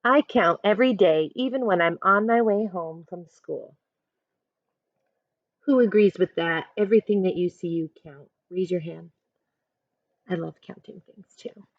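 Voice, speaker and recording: A woman teacher reads a picture book aloud to children, expressive and instructive, pausing to address her young listeners directly. Her voice is on the low side and a little slow, and the recording is dry and muffled.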